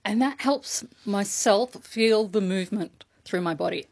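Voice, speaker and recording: A woman voices a deaf poet's signed answers in first person. She gives each phrase room and lays it down calmly and deliberately. Her voice is close and dry, with no room sound around it. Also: mid-range voice, no echo. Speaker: sign language interpreter. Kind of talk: interpreting a deaf guest's answers.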